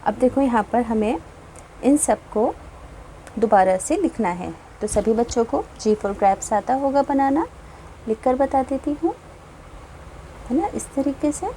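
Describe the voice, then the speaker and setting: A woman teacher slowly explaining a children's English textbook, reading each line and giving its meaning. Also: fairly high pitch, animated, warm tone, a little hiss or hum, rough recording.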